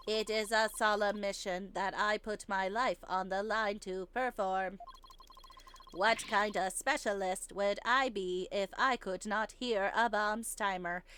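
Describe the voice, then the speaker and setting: Woman as a slow-talking, self-important male bomb expert. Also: medium pitch, pushed and bright, a little hiss or hum. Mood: indignant. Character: proud, defensive male bomb-disposal specialist on the witness stand.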